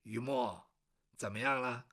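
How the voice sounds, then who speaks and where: A storyteller voicing a calm, patient young male scholar who speaks softly and reasonably. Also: mid-range voice, unhurried, pitched below the performer's own voice.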